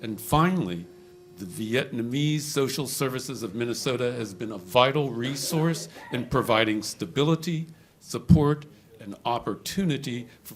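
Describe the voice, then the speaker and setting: A man at an awards ceremony reads out citations for the honorees. His delivery is measured and formal. His voice sits at a middle pitch. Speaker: awards presenter.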